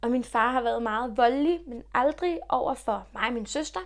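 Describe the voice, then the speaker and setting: At a moderate pace, a woman speaks in a normal speaking voice with fairly high pitch and ordinary pitch variation. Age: 20s. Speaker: podcast host. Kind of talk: casual chat.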